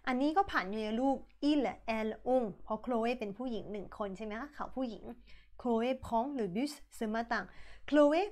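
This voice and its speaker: A young woman teaches a language lesson in a fairly high voice. She explains things at length, then slows right down to model each example phrase clearly. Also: a little mellow.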